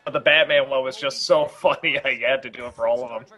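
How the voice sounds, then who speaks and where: A man giving a casual film commentary, talking in a rambling, halting way with many restarts. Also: mid-range voice, steady tone, sharp tone.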